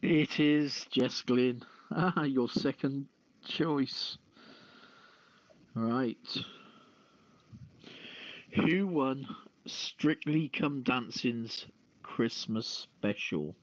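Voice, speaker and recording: A man's voice: medium pitch, very slow, pauses often, dry recording. A man casually hosting a quiz as the question master. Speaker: quiz host. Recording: dull lo-fi dry audio.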